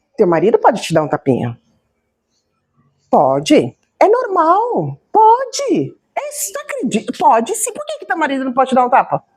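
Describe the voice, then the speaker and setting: An animated woman talks at a moderate pace with long, frequent pauses and big swings in loudness. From interior of São Paulo state, Brazil. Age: 40s. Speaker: motivational speaker. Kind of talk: talk to a live audience.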